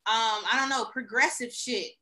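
A woman's voice: on the high side, fairly even intonation, moderate pace, bright, forceful tone, poor audio. A woman co-hosting a podcast, speaking earnestly and reflectively in casual chat. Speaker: podcast co-host.

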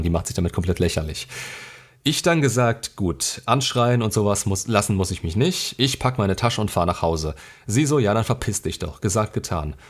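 A man hosting a show, reading a viewer's relationship story aloud and commenting on it bluntly and sarcastically. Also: fairly low pitch.

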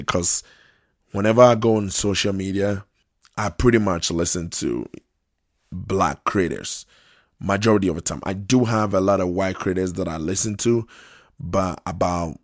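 Low-voiced guy hosting a podcast, kinda hoarse, loose rambling chat, dry close sound. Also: dry recording. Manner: unhurried and conversational, repeats and restarts phrases. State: losing his voice, hoarse. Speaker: podcast host. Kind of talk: casual solo podcast talk.

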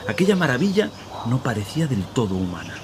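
A man playing a kindly, talkative park worker who speaks courteously and pauses to search for words. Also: mid-range voice, big pitch swings, noisy background, lightly acted. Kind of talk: radio drama acting. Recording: outdoor park ambience with birds. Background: birds and outdoor ambience.

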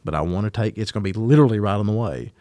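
A man talks quickly in a loose, casual chat. He is blunt and folksy and swears freely. The sound is dry, with very little room on it. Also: fairly low pitch, darkish tone, dry recording. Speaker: podcast co-host.

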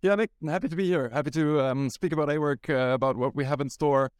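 A man's voice: a little high, quick pace, clear, resonant tone, dry recording, studio quality. A man from Germany, a startup founder, talking casually in an interview and often restarting his sentences with "um". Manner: rambling, frequent restarts and ums.

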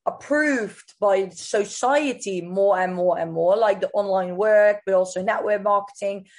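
A woman hosting a podcast interview in an enthusiastic, gushing manner. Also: medium pitch. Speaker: podcast host and coach.

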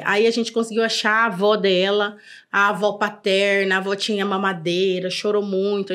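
A middle-aged woman with a Brazilian Portuguese accent, telling stories from her social work in a relaxed podcast conversation. She talks in an earnest, animated way, at an ordinary middle pitch. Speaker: social services secretary, podcast guest. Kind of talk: casual podcast storytelling.

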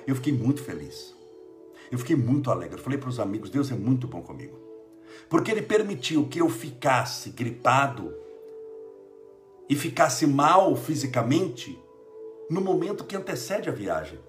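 A man's voice: medium pitch, fairly bright tone. A Brazilian man with a cold gives an informal live spiritual talk as host, preaching and repeating phrases for emphasis. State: sick with a cold. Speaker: religious livestream host.

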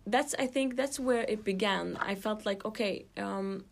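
A young woman from Iraq, a guest on an interview show, telling her story in a casual, animated way with frequent laughs and filler sounds. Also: mid-range voice, a little slow, gravelly. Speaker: guest, TV presenter.

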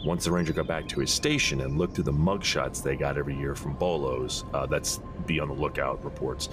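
Man acting a very deep-voiced, folksy deputy marshal. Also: fairly even intonation, fairly quick, over music. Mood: measured storytelling. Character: gruff, pious, protective deputy marshal telling a campfire-style story. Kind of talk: audio drama dialogue and storytelling.

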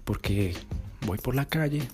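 A man's voice: medium pitch, expressive, a little slow, a little mellow, pitched above the performer's own voice, close to an everyday voice. A man voicing a young woman who complains about being judged, in a whiny tone. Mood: complaining. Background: music.

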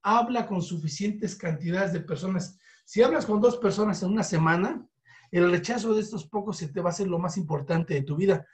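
A Mexican-accented man with a high-pitched voice runs a motivational sales training session. His coaching manner keeps breaking into quick acted-out sample calls to show how a conversation should go.

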